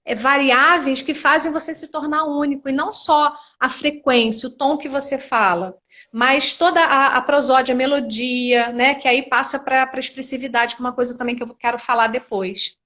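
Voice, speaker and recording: A middle-aged woman with a notably high voice, explaining in a patient, teacherly way. She speaks as a speech therapist on a live video call, with homely examples. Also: fairly even intonation, moderate pace, bright, forceful tone. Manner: didactic, explains with everyday examples. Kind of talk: explanatory live-stream chat.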